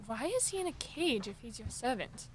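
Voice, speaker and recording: High voice, animated, naive polite fairy-tale girl, woman acting, casual, radio comedy, faint noise. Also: a little fast. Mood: curious, chatty. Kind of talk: comedic audio drama acting.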